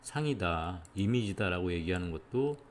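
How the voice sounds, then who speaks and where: A man giving an explanatory lecture, patiently going step by step and often pausing to check in with his listeners. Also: low-pitched, animated, a little hiss or hum.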